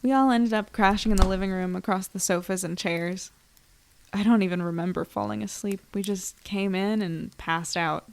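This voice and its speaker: A woman's voice: medium pitch, normal speed, vocal fry, a little hiss or hum, lightly acted. A woman playing an earnest, tired young woman reporter in an audio drama, with dialogue and first-person narration. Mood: weary, reflective.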